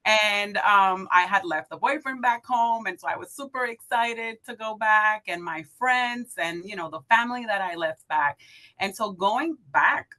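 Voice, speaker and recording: A woman in her thirties from the Dominican Republic, a podcast guest telling her story casually, upbeat and quick to laugh. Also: mid-range voice, sharp tone. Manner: upbeat, laughs easily, fillers like um and like.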